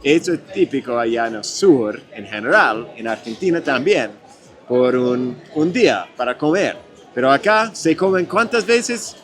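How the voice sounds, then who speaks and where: Slow, halting man vlogging a meal. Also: mid-range voice, expressive, fairly bright tone, faint music behind. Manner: halting, searching for words, restarts phrases. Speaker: vlog host tasting food. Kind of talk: casual food vlog chat. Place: restaurant.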